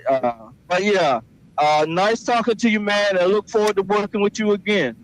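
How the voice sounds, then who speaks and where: A man's voice: high-pitched, moderate pace, slight background noise, poor audio. A man calling in to a show, chatting in a polite, casual and colloquial way. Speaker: caller to the show. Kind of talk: casual chat.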